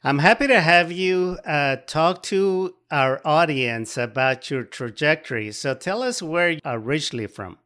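A man hosting an interview podcast, reading a formal scripted intro and then asking questions in a measured way. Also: on the high side, expressive, a bit bright. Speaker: podcast host.

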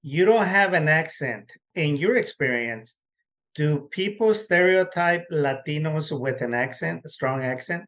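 A man hosting an interview podcast, opening with a formal, measured introduction before asking his guest questions. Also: on the high side, animated, fairly bright tone. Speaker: podcast host. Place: Texas.

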